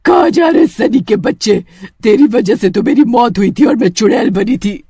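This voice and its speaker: A woman voicing a vengeful female ghost witch in an animated horror story, cackling and threatening with loud outbursts. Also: mid-range voice, unhurried, breathy edge, dry recording, studio quality. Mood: furious.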